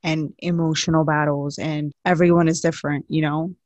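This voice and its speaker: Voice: medium pitch, level tone, normal speed, no room sound. Young adult podcast co-host, earnest and chatty, filler-heavy, with a muffled, dry recording. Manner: chatty, earnest, fills speech with "like". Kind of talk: casual chat. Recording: dull, dry lo-fi sound.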